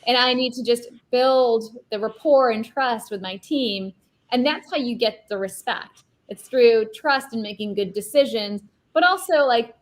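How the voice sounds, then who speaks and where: A woman film director with a light, higher-pitched voice, speaking earnestly and reflectively as an interview guest. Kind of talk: conversational interview.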